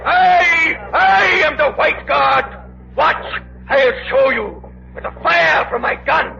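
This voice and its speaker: A ranting villain who poses as a god. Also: male voice, extremely high pitch, slow, vocal fry, exaggerated voice. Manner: fanatical, shouting threats. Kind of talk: 1930s radio drama acting. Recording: dull lo-fi 1930s radio recording with crowd noise.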